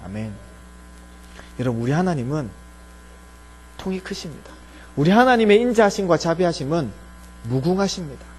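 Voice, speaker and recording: A male pastor preaching a Sunday sermon in a church, earnest, often dropping soft and low. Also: very animated, fairly quick, long pauses, a little hiss or hum, low-quality recording. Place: church sanctuary.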